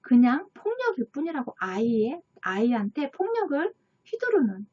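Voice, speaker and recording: A woman's voice: high voice, big pitch swings, normal speed. A woman hosting a book channel, talking earnestly in a casual tone and sometimes acting out angry remarks. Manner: earnest, acts out quoted angry lines. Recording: dull lo-fi recording.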